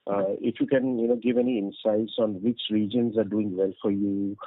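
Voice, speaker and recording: An Indian-accented man with a lowish voice asks questions as an analyst on a conference call. He is polite and halting, heard over a dry, narrow phone line. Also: little pitch movement, dry recording.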